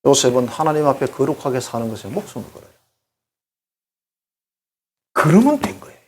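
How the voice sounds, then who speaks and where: This sermon comes from a man whose mid-range voice has a breathy edge and moves fairly quickly. Preaching conversationally and with animation, the pastor addresses the congregation directly and acts out the voices in his quotes.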